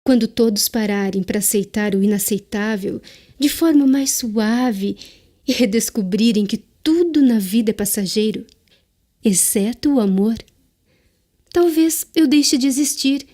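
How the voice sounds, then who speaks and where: An actress playing Death as a mysterious, tender woman in a radio drama, speaking in a solemn, measured, exhorting way. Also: a little high, warm tone. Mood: solemn, reflective.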